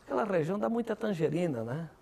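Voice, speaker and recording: A man's voice: high-pitched, very animated, quick pace, vocal fry, darkish tone, breathy edge. A man, hosting a TV interview in a conversational way. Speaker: TV interview host.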